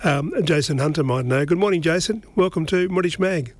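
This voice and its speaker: A man's voice: a little high, fairly quick, no room sound. A man with an Aboriginal Australian accent hosting a radio show in a casual, conversational, rambling way. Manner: conversational, rambling, tags questions with eh. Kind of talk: casual radio presenting and interviewing.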